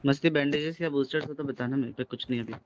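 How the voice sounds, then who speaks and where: A man's voice: mid-range voice, racing, highs cut off, very noisy. A young man in a shooter game's voice chat, reporting kills and asking teammates for supplies. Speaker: squad teammate. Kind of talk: casual gaming voice chat. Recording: loud game gunfire behind the voice.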